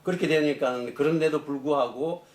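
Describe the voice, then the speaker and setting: A middle-aged man, a professor being interviewed, explaining technical matters off the cuff in a halting way. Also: on the high side. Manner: halting, explanatory, rephrasing as he goes. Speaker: engineering professor, interview guest. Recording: echoey room, distant mic, faint noise.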